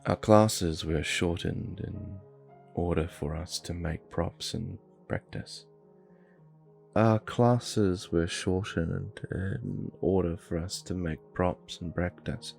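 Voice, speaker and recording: A man narrating a scripted horror story in a measured, low-key way. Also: gravelly, darkish tone, faint music behind.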